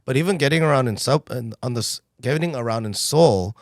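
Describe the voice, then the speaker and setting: A man with a mid-pitched voice hosts a casual podcast chat, animated when telling a story. The recording is dry and close, with no room echo. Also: fairly quick. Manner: animated storytelling, frequent ums. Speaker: podcast host.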